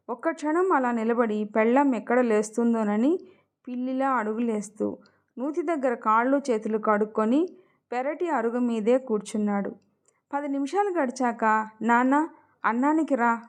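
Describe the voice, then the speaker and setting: A woman narrating an emotional story in a measured, expressive reading. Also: a little high.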